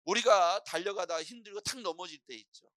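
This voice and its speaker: A middle-aged male pastor delivers a morning prayer sermon in church, speaking fairly quickly in a high-pitched voice. He's a lively storyteller who acts out anxious and calm voices as he goes, and the recording is dry and studio quality.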